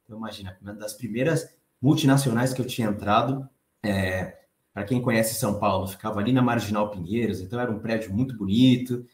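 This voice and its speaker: Male speaker, 30s, Brazilian accent, soft light voice, conversational talk, echoey room. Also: lowish voice, fast. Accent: Brazilian Portuguese. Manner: conversational, expressive, reads the chat aloud. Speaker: conference speaker. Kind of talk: conference talk.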